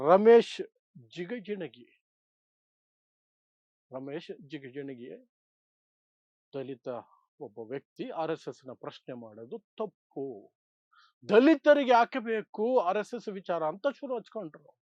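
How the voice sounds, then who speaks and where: Male political commentator, high voice, emphatic and opinionated, repeats phrases for effect, dull close recording. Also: no room sound. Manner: emphatic, rhetorical repetition in short phrases. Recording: dull, dry lo-fi sound.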